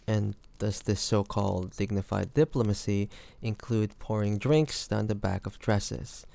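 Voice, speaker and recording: A man playing a flirty, teasing bodyguard to a noble in an intimate fantasy audio roleplay, with playful, halting delivery. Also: on the low side, steady tone, creaky, warm tone. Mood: teasing, chiding. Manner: playful, teasing, halting pauses, often chuckling.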